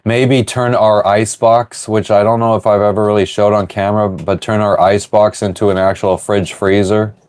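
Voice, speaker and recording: A man hosting a casual livestream from his sailboat, reading viewer comments aloud and rambling through relaxed answers. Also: lowish voice, normal speed, hardly any pauses, clean tone. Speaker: livestream host answering chat. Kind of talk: casual live chat. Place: on board a sailboat.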